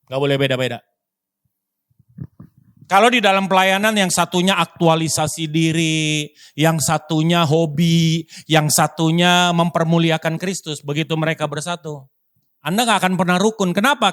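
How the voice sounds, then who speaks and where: A man's voice: high-pitched, a bit bright. A middle-aged male pastor giving a sermon with humorous stories, speaking colloquially, teasing and calling on the congregation for responses.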